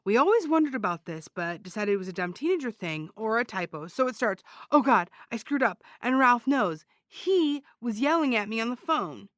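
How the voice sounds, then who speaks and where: A woman's voice: fairly high pitch, big pitch swings, normal speed, few pauses, a bit bright, no room sound, studio quality. A woman playing a wry, theatrical podcast host who investigates a crime in an audio drama. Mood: eager.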